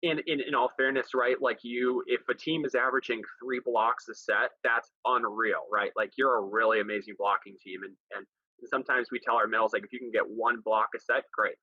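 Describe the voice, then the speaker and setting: A man with a bright, forward voice chats about coaching, circling back on his words as he thinks. The sound is a little muffled and very dry, as if from a home mic. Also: mid-range voice, steady tone, a little fast, no echo. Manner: repeats words while thinking aloud. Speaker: college volleyball coach. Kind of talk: casual podcast chat.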